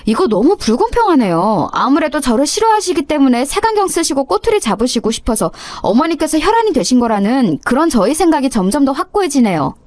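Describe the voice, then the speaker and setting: A woman's voice: high voice, very animated, fairly quick, few pauses, darkish tone, dry recording. A woman playing a sneering young daughter-in-law. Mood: mocking. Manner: sarcastic, mock-polite. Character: young insolent daughter-in-law, mocking, sly, cruel.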